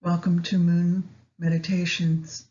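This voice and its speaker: A woman leading a guided meditation in a measured way, pausing between short phrases. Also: fairly low pitch, level tone, warm tone, highs cut off. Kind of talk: guided meditation with astrology commentary.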